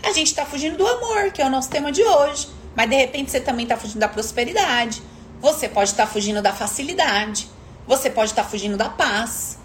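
A woman's voice: sits high, fairly quick, a little hiss or hum. A woman coach giving a motivational live talk, emphatic and questioning her listeners directly.

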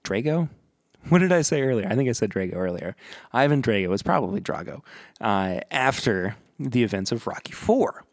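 A man's voice: mid-range voice, dry recording, clean studio sound. A man hosting a podcast, wrapping up the episode in a chatty, upbeat way and often restarting his words. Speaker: podcast host. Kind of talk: casual podcast outro.

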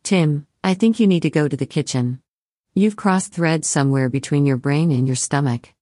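A woman's voice: low-pitched, moderate pace, dark tone, dry recording. A woman co-hosting a scripted chat in a dry, matter-of-fact way. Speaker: podcast co-host.

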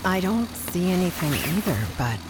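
Woman acting a lively, alert adventurer. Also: lowish voice, moderate pace. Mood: uneasy. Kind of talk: audio drama acting. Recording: very noisy engine-like background.

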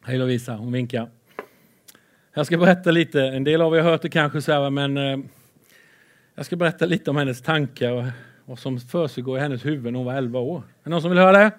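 A man preaching a lively sermon with Bible readings, excitable and playful, swinging between loud and soft. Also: mid-range voice.

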